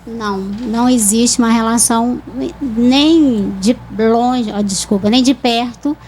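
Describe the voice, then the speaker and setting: A woman with a Brazilian accent, a speech therapist calmly explaining voice and articulation in a TV interview. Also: a little high, a little slow, a little hiss or hum, low-quality recording. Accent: Brazilian Portuguese. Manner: calm, didactic explanations with examples.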